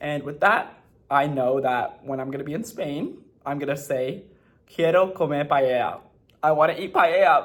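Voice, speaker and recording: An unremarkable speaking voice, a man at a moderate pace with ordinary pitch variation. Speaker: pharmacy student vlogger. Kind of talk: casual vlog talk to camera.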